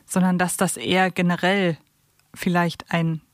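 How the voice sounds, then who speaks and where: A woman's voice: lowish voice, level tone, measured pace, no echo, clean studio sound. A woman co-hosting a podcast, giving casual and humorous commentary. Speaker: podcast co-host.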